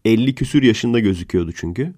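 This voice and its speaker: A man's voice: on the low side, lively intonation, fast talker, darkish tone. A man hosting a casual comedic podcast, telling stories in a sarcastic, joking way. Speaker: podcast host.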